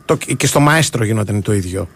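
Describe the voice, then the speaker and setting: A man's voice: on the low side, expressive, creaky, breathy edge. A man co-hosting a radio show, telling a long, rambling story full of fillers and restarts. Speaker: radio sports show co-host. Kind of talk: casual radio chat.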